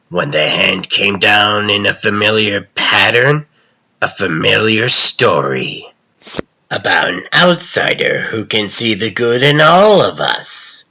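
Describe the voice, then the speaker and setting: A man voicing a sinister, menacing dark vigilante who narrates a comic dub in slow, ominous, gravelly storytelling with dramatic pauses. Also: lowish voice, exaggerated voice.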